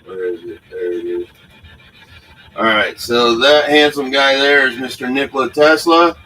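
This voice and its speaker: A man with a mid-pitched voice hosts a casual paranormal livestream. He speaks unscripted and haltingly, often pausing on filler sounds as he gathers the next phrase. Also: pushed and bright, husky. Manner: halting, hesitant delivery with frequent pauses and filler sounds. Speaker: host of a paranormal investigation livestream.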